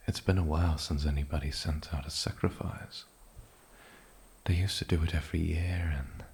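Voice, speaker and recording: A man playing an ancient, lonely and possessive island demon in a soft-spoken ASMR fantasy roleplay, breathy and often slipping into whispers, with a halting, sinisterly polite menace. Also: very deep voice, exaggerated voice. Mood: brooding, ominous.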